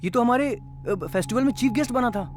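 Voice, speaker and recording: A man's voice: very high-pitched, fairly quick, over music. An actor playing a young man who teases his friend in slangy, joking banter. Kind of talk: film dialogue.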